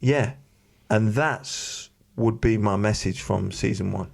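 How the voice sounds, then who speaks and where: A man's voice: lowish voice, takes it slowly, gravelly. A man co-hosting a podcast in casual chat, talking in an earnest, sincere way. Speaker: podcast co-host.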